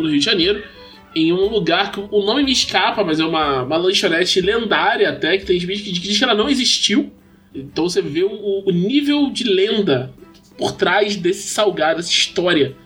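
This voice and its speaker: A man hosting a podcast, telling stories in a casual, animated way and laughing often. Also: high voice, moderate pace, faint music behind. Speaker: podcast host. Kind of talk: casual chat. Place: lives in São Paulo.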